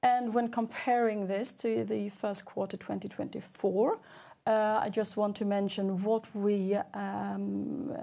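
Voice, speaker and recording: A woman chief financial officer presenting figures on an earnings call in a businesslike, measured way. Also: mid-range voice, little pitch movement, vocal fry, mellow.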